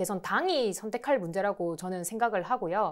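The background is quiet as a woman talks at a fairly quick pace. Her intonation is lively. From South Korea, Changwon (Gyeongnam); South Korea. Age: 20s. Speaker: youth party official; panelist. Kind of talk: panel discussion. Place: studio. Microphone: lapel.

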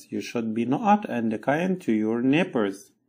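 Using an Egyptian accent, a man talks at a fairly slow pace with medium pitch and lively intonation. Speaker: English teacher. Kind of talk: lesson explanation. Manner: explanatory, bilingual Arabic-English.

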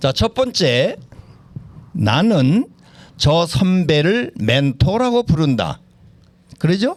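Very slow and broken by long, frequent pauses, a man's high voice moves in very wide pitch swings. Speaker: Korean language teacher. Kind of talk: lecture. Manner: halting with frequent fillers; formal.

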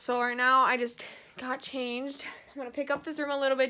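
A woman in a raised, projected voice talks at a fairly quick pace with a bright, sharp tone and monotone, flat intonation. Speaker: young parent vlogger. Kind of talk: casual vlog chat. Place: home room. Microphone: phone near.

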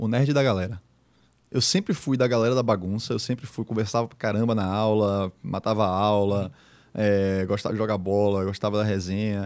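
A man with a Bahian accent speaks at a moderate pace in a fairly low pitch with fairly even intonation, the sound dry with no echo and the background quiet. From Brazil, Salvador (Bahia). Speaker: tech startup founder; podcast guest. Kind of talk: casual interview chat. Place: studio. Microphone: studio mic.

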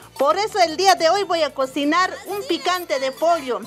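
Faint music plays in the background as a woman speaks at a fairly slow pace in an extremely high pitch. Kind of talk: cooking tutorial. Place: garden. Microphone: lapel.

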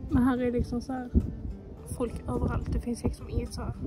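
A woman talks at a moderate pace over clear background music. The sound is dry, with no echo. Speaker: vlogger. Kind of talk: casual vlog chat. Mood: relaxed, chatty, slightly annoyed. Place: beach. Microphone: phone near.

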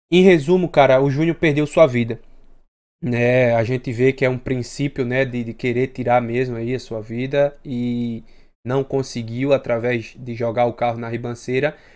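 A man speaks at a moderate pace in a medium pitch. His intonation stays fairly even. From Brazil. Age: 20s. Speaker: fitness youtuber. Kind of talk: video commentary. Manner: earnest. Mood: somber, earnest. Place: home room.

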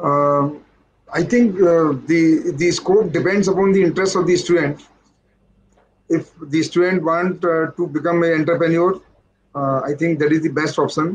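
In an Indian accent, the speaker talks at a fairly slow pace with fairly even intonation over light background noise. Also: man, high pitch for a man. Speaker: agricultural education official. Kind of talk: keynote address. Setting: video call. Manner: hesitant, many fillers. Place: office. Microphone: video call.

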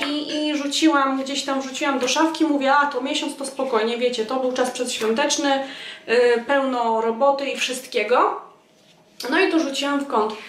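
A woman's high-pitched voice at a moderate pace, with ordinary pitch variation, audible room echo and light background noise. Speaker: vlogger. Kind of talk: vlog. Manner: hesitant, many fillers. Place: home room. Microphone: phone near.

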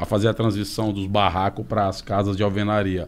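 A man speaks at a moderate pace. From Fortaleza, Ceará, Brazil; Ceará, Brazil. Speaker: social activist, head of favela organization; guest. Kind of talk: casual interview. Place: studio. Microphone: studio mic.

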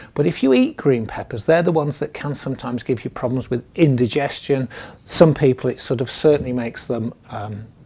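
Here a man talks at a fairly quick pace. His tone is dark and mellow, with ordinary pitch variation. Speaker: presenter. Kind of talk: tutorial. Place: garden. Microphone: lapel.

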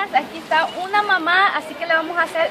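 A woman with an extremely high pitch speaks at a moderate pace in a raised, projected voice with ordinary pitch variation. Noticeable background noise is present. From El Salvador. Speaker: vlogger; vlogger, street interviewer. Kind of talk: casual vlog; street interviews. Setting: outdoors on the street. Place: street. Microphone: camera far.

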